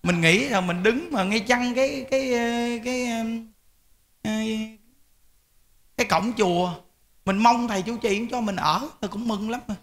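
A man's voice: high-pitched, unhurried, a bit bright. A man, a Buddhist monk, giving an informal, emphatic dharma talk to lay followers. He repeats words and often speaks to his listeners directly.

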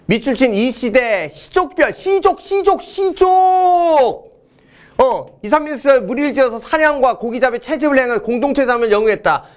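A middle-aged man teaching an exam prep history lecture, animated and joking, swinging between loud outbursts and mumbled asides. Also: very high voice, a little fast, hardly any pauses.

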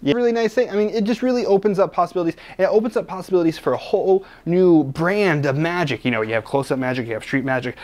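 A man's voice: high-pitched, fast talker, hardly any pauses, a little mellow. A young man hosting a magic product review, chatty and joking, rambling with lots of restarts and fillers.

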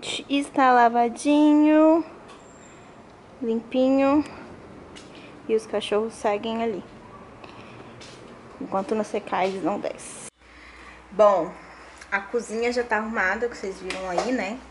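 A woman's voice: a little high, steady tone, a little slow, pauses often, noisy background. A woman in her twenties with a Minas Gerais Brazilian accent, chatting to viewers while she cleans her apartment. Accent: Brazilian Portuguese, Minas Gerais. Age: 20s. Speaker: vlogger. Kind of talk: casual cleaning vlog chat. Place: apartment kitchen and terrace, indoors.

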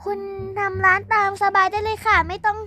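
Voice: very high voice, level tone, brisk, pushed and bright, a little hiss or hum. A young performer voicing a courteous mother who apologizes to a shopkeeper. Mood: apologetic. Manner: formal, courteous, fussy. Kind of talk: toy roleplay voice acting.

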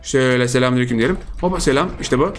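Excitable man narrating his own gameplay. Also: medium pitch, racing, a little hiss or hum. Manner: excitable, repeats words in bursts. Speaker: gaming YouTuber. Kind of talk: casual gameplay commentary.

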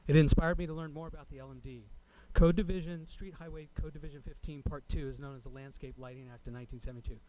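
A man speaking as a resident at a public meeting, delivering a prepared comment in a formal, deliberate way. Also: a little high, fairly even intonation, warm tone, poor audio. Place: city council chamber.

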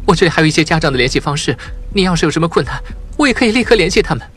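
A man acts out a terrified young woman teacher in an audiobook drama. The pitch is raised high and the words rush out in anxious begging, with music underneath. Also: lively intonation, fairly bright tone. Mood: pleading, frightened. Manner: pleading, rushed, anxious. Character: terrified young female schoolteacher pleading with a robber.

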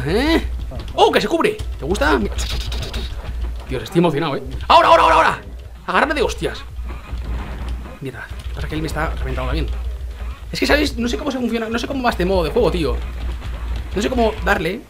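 A young man with a Spain Spanish accent, giving excitable gameplay commentary and repeating words in rapid bursts. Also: sits high. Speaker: gaming youtuber.

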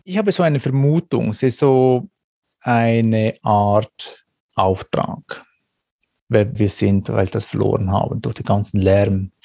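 A man's voice: fairly low pitch, slow, vocal fry, warm tone, no room sound, clean studio sound. A man hosting a podcast, talking in a searching, reflective way and often repeating words as he thinks. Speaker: podcast host. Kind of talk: reflective conversation.

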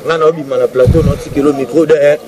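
A man asking halting questions at a sports club gathering. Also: a little high, steady tone. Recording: noisy crowd around.

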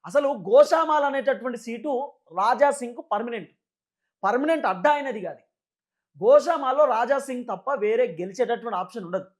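Male political commentator, Telangana Telugu accent, very high voice, rapid delivery, emphatic and repetitive explaining. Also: expressive. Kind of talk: unscripted political news commentary.

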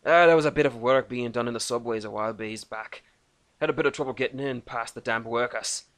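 A man voicing a gruff, boisterous male dwarf with a put-on Scottish-Irish brogue. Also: mid-range voice, fairly quick, no echo, close to an everyday voice. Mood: rowdy. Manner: loud, boisterous, gravelly.

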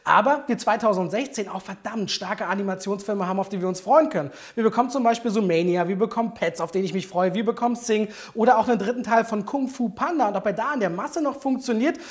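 A woman's voice: medium pitch, fast talker, hardly any pauses. A young adult woman hosting a chatty video commentary as a film trailer reviewer.

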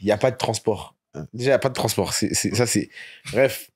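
A man's voice: on the low side, fairly quick, husky. A young man from France telling stories as a podcast guest in casual chat, laughing often.

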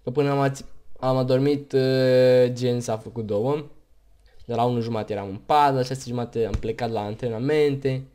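A man's voice: mid-range voice, fairly even intonation, mellow, smooth. A man with a Romanian accent giving casual gameplay commentary, chatty and rambling, hiccuping and tired, on a headset mic at home. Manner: chatty, rambling, talks in bursts between hiccups. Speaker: gaming YouTuber.

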